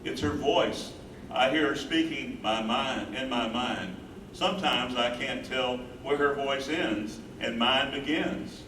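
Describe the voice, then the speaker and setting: A man's voice: medium pitch, takes it slowly, close to an everyday voice. A man playing a devoted, reflective husband who cares for his wife, in a dramatic staged reading. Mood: tender. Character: devoted husband and carer, loving, troubled, reflective. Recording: echoey distant stage recording, clear noise.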